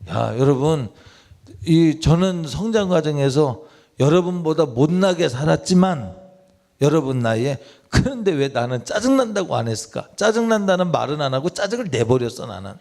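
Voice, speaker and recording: A man with a gravelly, fairly high voice preaching a sermon in a church. He talks in a conversational way and keeps firing direct questions at the congregation. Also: sing-song, moderate pace, a little mellow. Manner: conversational, quizzes listeners directly. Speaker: pastor. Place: church sanctuary.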